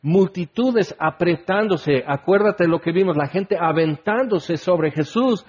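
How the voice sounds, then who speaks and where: A man with a Mexican accent preaching in a relaxed, conversational way. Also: high-pitched, measured pace, breathy edge. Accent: Mexican Spanish. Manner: conversational, acts out quoted people with a raised voice. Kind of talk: casual Bible teaching. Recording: dull lo-fi recording.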